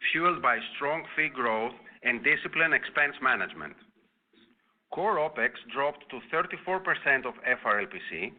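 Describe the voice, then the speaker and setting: Male finance executive for an earnings call: formal, measured scripted delivery, medium pitch, tinny phone-line audio. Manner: formal, measured reading of figures.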